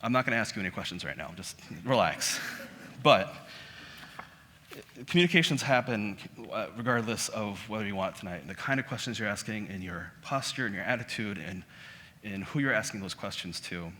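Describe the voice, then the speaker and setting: A Korean-born man in his thirties giving a relaxed, conversational public lecture, often restarting his sentences. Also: lowish voice, a little fast. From South Korea. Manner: conversational, self-deprecating, many restarts. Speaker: guest lecturer. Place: auditorium. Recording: hall reverb.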